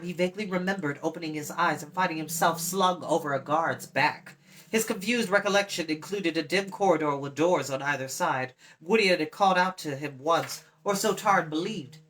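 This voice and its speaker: A woman reading a fantasy story aloud as an expressive storytime narrator. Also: lowish voice, low-quality recording. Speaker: storytime host and reader.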